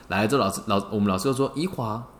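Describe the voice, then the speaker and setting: Lively Taiwanese Mandarin man storytelling. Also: racing, reverberant. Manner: animated storytelling, acts out quotes with big pitch jumps; frequent checking questions to listeners. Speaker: podcast host. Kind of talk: casual podcast talk on a book.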